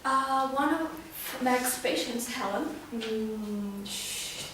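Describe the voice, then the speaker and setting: A woman's voice: a little high, drawn-out words. Hesitant woman speaking in a very echoey room. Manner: hesitant, restarting phrases often. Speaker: club speaker. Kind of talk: prepared amateur speech. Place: meeting room, recorded from a distance. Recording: very echoey room, distant mic, faint noise.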